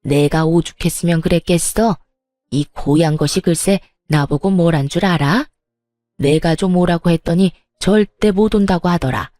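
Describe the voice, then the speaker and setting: A woman's voice: on the low side, normal speed, warm tone, dry recording, studio quality, soft background music, natural voice. A woman voicing an angry middle-aged mother-in-law who scolds and sneers harshly, in a storytelling reading. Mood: scolding.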